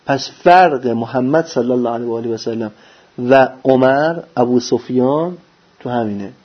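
A man giving a religious lecture, preaching with lively rhetorical questions and answering them himself. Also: medium pitch, breathy edge. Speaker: religious teacher. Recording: dull lo-fi recording.

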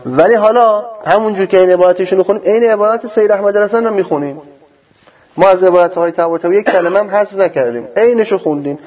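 A man teaching a religious lecture on scripture, explaining verses slowly and arguing with a sarcastic edge. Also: high voice. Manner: sarcastic, argumentative. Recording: dull lo-fi recording.

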